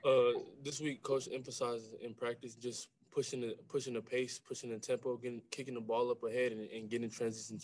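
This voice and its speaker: A young man, a college basketball player, answering questions at a postgame press conference over a video call, speaking softly and often repeating words as he starts a phrase. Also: medium pitch, flat delivery, fairly quick, hardly any pauses. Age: young adult. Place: small room with a sponsor backdrop. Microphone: video call webcam.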